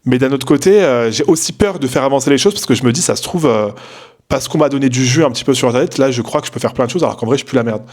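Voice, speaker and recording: A man's voice: mid-range voice, quick pace, darkish tone. A young man in a casual late-night vlog, rambling in a slangy way with many fillers and restarts, talking from home. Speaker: content creator.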